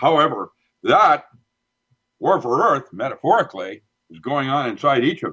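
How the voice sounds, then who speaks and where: A man with vocal fry and a fairly high pitch speaks at a moderate pace, his pitch swinging very widely, with long, frequent pauses. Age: 70s. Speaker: author and researcher. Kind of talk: interview. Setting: radio show. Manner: animated.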